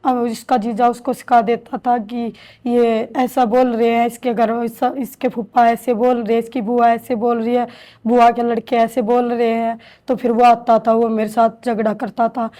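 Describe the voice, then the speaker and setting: A woman in her thirties slowly recounting her own story with halting restarts, as an interviewee in a shelter home. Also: fairly high pitch, level tone, mellow. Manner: halting, slow, hesitant with restarts. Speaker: interviewee, domestic violence survivor. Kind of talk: emotional personal testimony.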